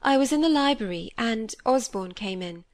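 A woman's voice: animated, natural voice. A woman doing an earnest young girl. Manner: higher, quick and careful telling.

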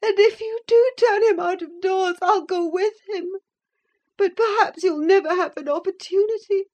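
A woman doing a peevish, high young lady. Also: lively intonation, normal speed, a little mellow. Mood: sobbing. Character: feverish, wilful young woman.

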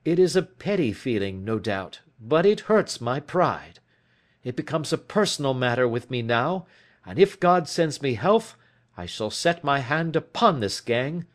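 Man doing holmes, keen detective, crisp and emphatic, voice jumps around a lot. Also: medium pitch, very animated, unhurried, pitched above the performer's own voice. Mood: wounded pride. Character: Sherlock Holmes, keen, brisk male detective. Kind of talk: audiobook character reading.

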